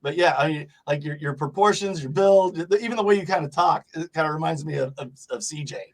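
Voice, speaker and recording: A man's voice: on the high side, fast talker. A man hosting a casual interview, joking, swearing freely and laughing often. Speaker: host.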